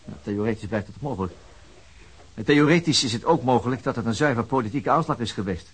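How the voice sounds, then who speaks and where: A stern veteran Dutch detective. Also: male voice, medium pitch, expressive, fast talker, breathy edge, poor audio. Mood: musing. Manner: blunt, musing, then commanding. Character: veteran male police detective, fifties, stubborn and firm. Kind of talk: Dutch radio drama acting.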